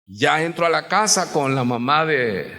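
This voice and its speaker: A man with a Mexican Spanish accent, a pastor preaching an impassioned sermon, moving between quiet talk and shouting as he speaks to the congregation. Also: on the high side, animated, a little slow. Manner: addresses the congregation as hermano. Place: church sanctuary. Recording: reverberant church hall.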